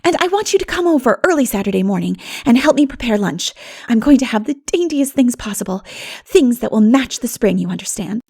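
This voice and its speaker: A woman's voice: fairly high pitch, animated, brisk, darkish tone, husky, pitched above the performer's own voice. A woman reading an audiobook as an exuberant, dreamy young woman who talks in an earnest, gushing, flowery way. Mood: eager planning. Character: Anne, exuberant, dreamy, poetical schoolgirl-spirited young woman. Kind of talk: audiobook character voice.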